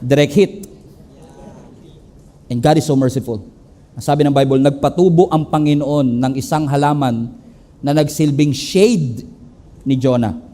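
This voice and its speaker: A Filipino man preaching a sermon as a pastor, animated, switching between English and Tagalog and acting out the people in his story. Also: fairly high pitch, unhurried, long pauses. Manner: acts out the people in the story in quoted voices.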